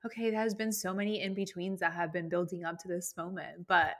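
A woman's voice: on the low side, little pitch movement, fairly quick, a little hiss or hum. A woman from Venezuela whose first language is Spanish, co-hosting a podcast in an upbeat, chatty way. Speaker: podcast co-host. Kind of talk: casual chat.

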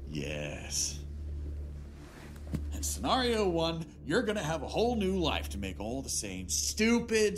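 An actor in an audio drama playing an arrogant, resentful lawyer son with a contemptuous, biting manner. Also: male voice, mid-range voice.

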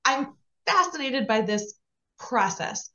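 A woman hosting a podcast interview, reflecting warmly and affirming her guest. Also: on the high side, expressive, slow, lo-fi sound. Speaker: podcast host. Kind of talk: conversational interview.

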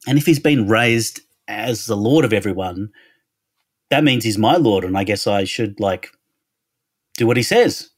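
Low-voiced Australian man, dry sound. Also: animated, a little slow, slightly rough, no room sound. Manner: thoughtful, restarts phrases, lists words in a row. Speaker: podcast guest, Anglican minister. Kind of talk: casual interview talk.

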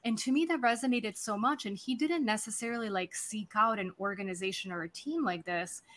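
A woman in her forties, originally from Serbia, talking casually about workplace culture as a podcast guest, animated and quick to laugh, with lots of fillers. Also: medium pitch. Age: 40s. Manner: animated storyteller, laughs easily, many fillers. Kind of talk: conversational business talk.

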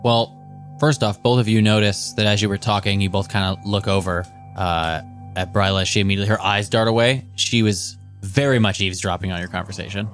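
A man narrating as game master of a tabletop game, relaxed and loose with fillers. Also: lowish voice, a little fast, soft background music.

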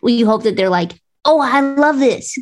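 A woman hosting a comedy game-show podcast, chatting in a lively storytelling way. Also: fairly high pitch, normal speed. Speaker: podcast host. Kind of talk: casual chat.

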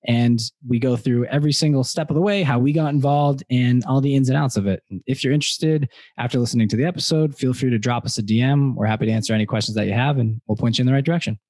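A man co-hosting a podcast delivers a brisk pitch to listeners. He talks fast. The recording is dry and close, with no room sound. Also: a little mellow, no room sound. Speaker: podcast co-host. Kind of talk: promo read for listeners.

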